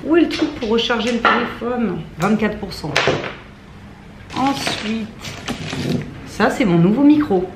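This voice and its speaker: A woman's voice: on the high side, lively intonation, a little slow, pauses often, heavy background noise. A young woman in her twenties chatting casually and playfully to camera at home, teasing and mocking herself as she talks. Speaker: vlogger. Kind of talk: casual vlog chat to camera. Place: at home indoors.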